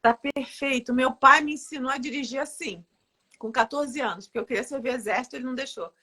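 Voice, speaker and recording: Woman guest, high and bright, lively chatty storyteller in a relaxed live interview. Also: fairly quick, breathy edge. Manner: lively storyteller, laughs often. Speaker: therapist guest. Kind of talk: casual interview chat.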